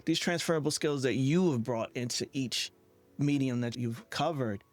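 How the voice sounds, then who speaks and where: A man's voice: medium pitch, moderate pace, soft background music. A man hosting a podcast interview in a conversational, affirming and reflective way.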